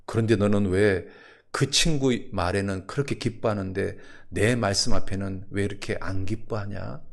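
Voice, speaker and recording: A man playing God, speaking in a slow, low, measured way as he questions a pastor, with a gravelly edge. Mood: calm rebuke. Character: God, a male deity calmly rebuking a pastor.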